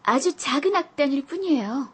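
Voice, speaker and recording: A woman's voice: high voice, animated, brisk. A woman voicing a shy eager girl. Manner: bashful, stammering when nervous.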